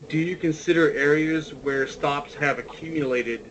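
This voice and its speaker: A man's voice: fairly high pitch, steady tone, moderate pace, fairly bright tone, muffled recording. A man moderating a webinar, plainly reading out audience questions and passing along comments. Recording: noisy webinar audio.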